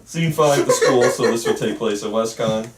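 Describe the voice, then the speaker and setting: A man's voice: mid-range voice, moderate pace, slight background noise. A man reading stage directions at a script table read, casual, dropping in asides. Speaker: script narrator and writer. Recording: echoey room, distant from mic.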